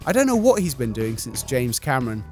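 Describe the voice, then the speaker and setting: Casting: male video narrator, medium pitch, sarcastic, bouncy intonation for scripted comedy. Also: sing-song, fairly quick, darkish tone. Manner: wry, sarcastic. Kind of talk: comic scripted commentary. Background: light music.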